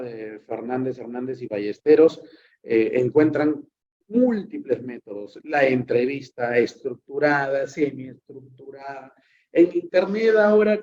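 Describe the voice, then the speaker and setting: A man's voice: medium pitch, a little mellow. Chatty lecturing man, dull lo-fi sound. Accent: Peruvian Spanish. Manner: chatty, digressive, acts out patient and therapist dialogue. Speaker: psychology lecturer. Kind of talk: classroom lecture.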